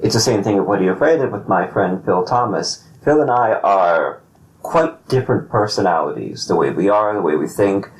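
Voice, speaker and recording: A man hosting a podcast interview in a conversational style, with measured, deliberate phrasing. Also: fairly low pitch, lively intonation, rough recording. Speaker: podcast host.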